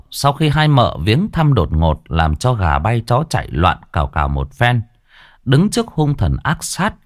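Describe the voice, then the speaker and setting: Guy narrating a ghost story, low voice that swings all over. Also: no echo, studio quality. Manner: lively expressive storytelling.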